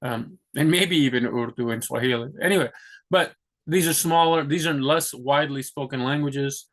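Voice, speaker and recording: A man's voice: mid-range voice, normal speed, a bit bright. A young man from the US, talking casually about his own plans in a rambling way, with many restarts and fillers. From United States. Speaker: vlogger. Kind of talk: casual talk to camera.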